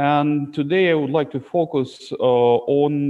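Very slow speech from a man. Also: quiet background. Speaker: energy researcher. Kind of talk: conference presentation. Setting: video call. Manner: soft-spoken. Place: home room. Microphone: earbuds.

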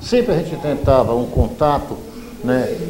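The pitch swings very widely. Light background noise can be heard. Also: man. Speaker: local web TV reporter. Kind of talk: on-location interview. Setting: union headquarters, on location. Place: hall. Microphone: handheld.

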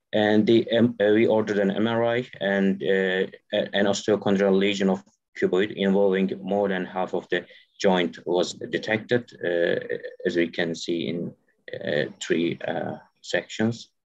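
A man with a Turkish accent talks at a very slow pace, his intonation fairly even against a quiet background. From Turkey. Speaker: orthopaedic surgeon. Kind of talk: case presentation. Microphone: video call.

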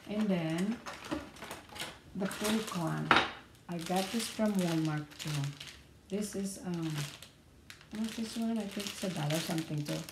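Over loud background noise, a woman talks at a fairly slow pace with ordinary pitch variation. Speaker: haul vlogger. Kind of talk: casual vlog chat. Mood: cheerful, enthusiastic. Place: kitchen. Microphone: phone near.

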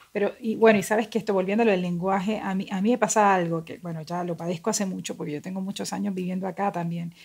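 A woman's somewhat breathy voice at a very fast pace with fairly even intonation. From Colombia (Cartagena). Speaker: novelist. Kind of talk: casual chat. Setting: video call.

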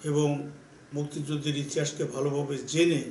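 Light background noise and audible room echo accompany a man. His pitch is fairly high. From Bangladesh, Faridpur (Boalmari); Bangladesh. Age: 70s. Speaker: doctor and war veteran; interviewee. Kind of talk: testimony. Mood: calm, earnest. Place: office.

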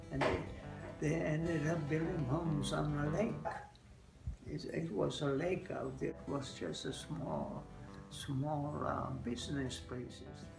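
A man at a fairly slow pace over clear background music. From Hawaii. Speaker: war veteran. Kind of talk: interview answer. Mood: warm reminiscing. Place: home room. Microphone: phone near.

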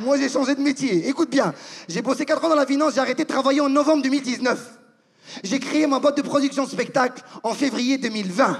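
This man's pitch is extremely high for a man. He talks at a fairly quick pace in an animated tone. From Casablanca, Morocco. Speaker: stand-up comedian. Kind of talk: stand-up. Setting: stage with audience. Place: stage. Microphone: handheld.

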